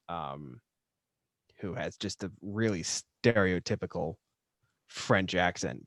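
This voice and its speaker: An American man chatting casually as a podcast guest, halting and jokey with a self-deprecating manner. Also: low voice, fairly bright tone, no echo, clean studio sound. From Minnesota, United States. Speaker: podcast guest, audio drama creator. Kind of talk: casual chat. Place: living room.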